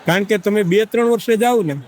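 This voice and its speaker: A man telling a folksy comic village tale, acting out the characters with drawn-out repetition. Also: sits high, slight background noise. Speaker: comedic storyteller. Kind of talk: folk joke storytelling to a live audience.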